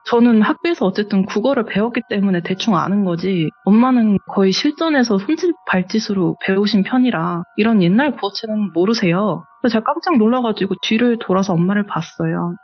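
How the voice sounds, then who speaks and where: A woman's voice: medium pitch, expressive, a little fast, hardly any pauses, slightly rough, highs cut off, faint music behind. A woman, the guest on a horror radio show, recounts a true ghost story in a conversational, matter-of-fact way.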